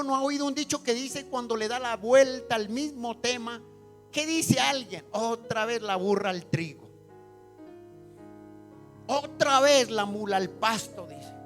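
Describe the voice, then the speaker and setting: A man preaching a sermon as pastor, moving between quiet asides and loud emphatic climaxes. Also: very high voice. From Colombia. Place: church.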